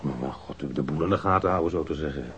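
A man's voice: rumbling low, quick pace, slight background noise. An actor playing an evasive street mugger in a radio drama, defensive and rambling as he answers police questions in slangy, hesitant speech. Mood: hesitant, recalling. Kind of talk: naturalistic radio drama acting. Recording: dull lo-fi radio recording.

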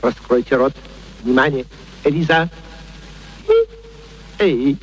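An actor playing a brisk, imperious and excitable gentleman professor, commanding and mocking, in a radio play. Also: medium pitch, husky, rough recording.

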